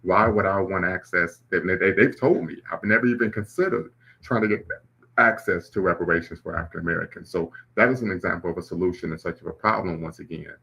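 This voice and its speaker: A man's voice: deep voice, quick pace, vocal fry, pushed and bright, husky, low-quality recording. A man hosting a live stream, reacting to clips and chat comments in a conversational way. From Ohio, US. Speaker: host.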